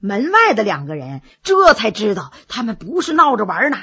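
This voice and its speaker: Lively, bright-voiced woman storyteller. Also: medium pitch, moderate pace, breathy edge, highs cut off. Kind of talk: dramatic audiobook narration.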